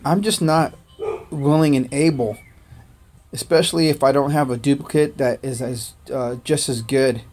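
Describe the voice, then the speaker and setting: A man born in Korea whose first language was Korean, chatting casually on a game livestream, thanking viewers by name and filling pauses with "uh" and "man". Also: medium pitch, fairly even intonation, a little mellow. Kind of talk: casual gaming livestream chat.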